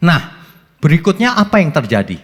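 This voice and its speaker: A man preaching in a church hall, his fairly high voice leaping up and dropping low with lively swings. His words ring out with a long reverb trailing behind. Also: moderate pace, slightly rough. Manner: lively preaching with sudden rises and drops, rhetorical questions. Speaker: pastor. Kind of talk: sermon.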